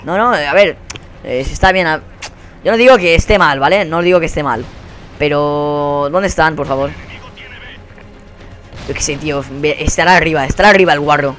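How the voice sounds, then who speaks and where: A young man with a Spain Spanish accent giving live gameplay commentary. He rants in a profane, exasperated way and often bursts into yelling. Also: on the high side, normal speed, pauses often, soft background music. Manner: profane, exasperated ranting with sudden yelled outbursts. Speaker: gaming channel host.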